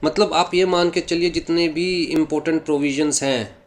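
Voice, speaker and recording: Man, law teacher, Indian English accent, fairly high voice, slow reading then explaining, asks and answers own questions. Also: fairly even intonation. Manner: mixes Hindi and English, reads English lines slowly then explains. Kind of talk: classroom lecture.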